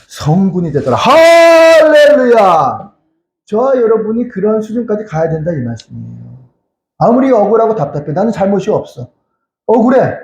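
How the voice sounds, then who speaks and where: A male pastor with a high, mellow voice preaches a sermon in a church sanctuary, posing questions and answering them himself, repeating phrases and crying out hallelujah again and again. The recording is echoey and dull, typical of a church hall, with slight background noise.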